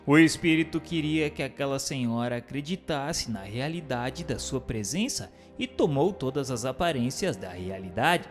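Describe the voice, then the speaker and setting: A man's voice: medium pitch, expressive, normal speed, few pauses. A man gives a scripted, formal and didactic reading of a book of questions and answers. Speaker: narrator. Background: music.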